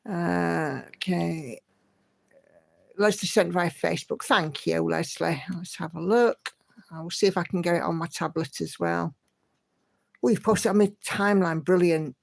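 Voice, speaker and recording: A woman's voice: fairly low pitch, a little slow, gravelly. A woman hosting a livestream, chatty and encouraging as she reads out viewer comments and hums to herself. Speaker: livestream host. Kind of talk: casual chat reading viewer comments.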